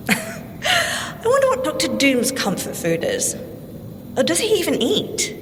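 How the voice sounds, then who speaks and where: An actress playing a wry, good-humoured young scientist and secret agent, chatting in an audio drama. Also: female voice, very high-pitched, huge pitch swings, slow, big-room sound, background noise, exaggerated voice. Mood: chatty. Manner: dry teasing, polite, chatty. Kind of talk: audio drama field banter.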